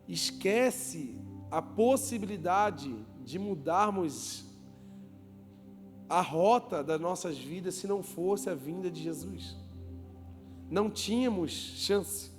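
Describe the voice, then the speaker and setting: A pastor preaching a lively sermon to his congregation, joking with them, asking them questions and calling for applause. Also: high voice, slow pace. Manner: joking, asks the crowd questions and calls for applause. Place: church hall with a congregation. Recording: long church reverb, music behind.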